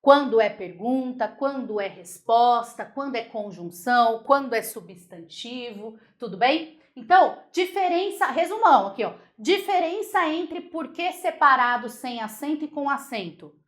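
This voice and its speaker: A Brazilian woman teaching Portuguese grammar for exam prep, lively and chatty, checking in with her students again and again. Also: on the high side, unhurried, few pauses.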